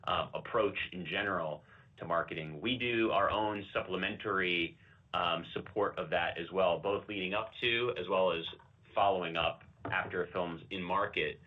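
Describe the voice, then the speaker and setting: A man with a very deep voice speaks as an executive taking analyst questions. He explains things in a measured, qualified way. The conference call audio is slightly dull and muffled. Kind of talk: earnings call answers.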